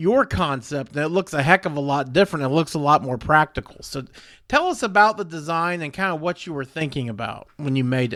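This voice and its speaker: Fairly high-pitched man with a Texan accent at a fairly quick pace, ordinary pitch variation, on a very clean recording with a silent background. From South Texas. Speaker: podcast host. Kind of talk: podcast interview. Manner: animated, filler-heavy.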